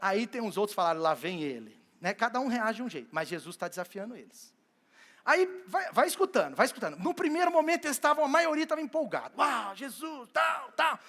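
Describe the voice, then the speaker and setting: High-voiced male pastor in a church service, an animated storyteller who acts out the scenes. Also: fast. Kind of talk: sermon.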